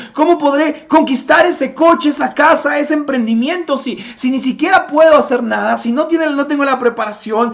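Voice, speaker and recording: A man speaks at an extremely high pitch. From Mexico, Tepetitla (Puebla). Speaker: pastor. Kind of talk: sermon.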